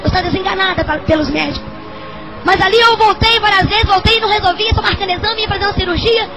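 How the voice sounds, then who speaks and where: A woman with a hoarse voice and a Brazilian accent, giving an impassioned, repetitive church testimony as a fervent Pentecostal preacher. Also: extremely high pitch, quick pace, music in the background, rough recording. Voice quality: hoarse, husky.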